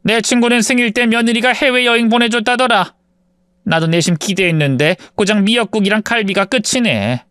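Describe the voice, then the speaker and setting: A man's voice: sits high, a little fast, bright, forceful tone, clean tone, no echo, clean studio sound, pitched above the performer's own voice. A man voicing a spiteful middle-aged mother-in-law who scolds and sneers at her daughter-in-law. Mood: scornful. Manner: sarcastic, scolding.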